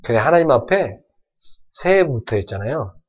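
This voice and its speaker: A man's voice: medium pitch, big pitch swings, moderate pace, lo-fi sound. A man preaching a sermon as pastor, earnest, acting out prayers and building to fervent exhortation. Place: church sanctuary.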